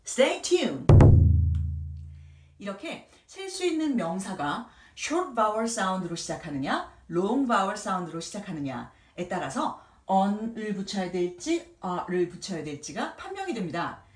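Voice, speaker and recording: A woman teaching English grammar in a patient way, sounding out words slowly and repeating them. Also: medium pitch, echoey room, recorded from a distance. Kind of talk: explaining grammar at a whiteboard.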